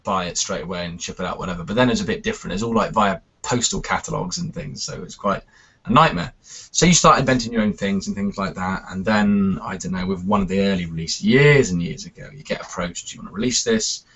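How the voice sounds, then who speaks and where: A man from Wales with an English accent, a guest on a casual video chat, relaxed and self-deprecating. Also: sits low, quick pace, husky. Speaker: guest magician. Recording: lo-fi web call audio.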